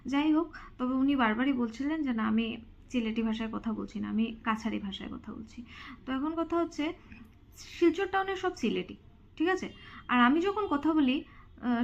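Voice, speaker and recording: High-voiced young woman with a Sylheti-tinged lilt. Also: highs cut off. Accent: Bengali with Sylheti tone. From Silchar, Assam, India. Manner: chatty, keeps asking "okay?". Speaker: vlogger. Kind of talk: casual chat to camera.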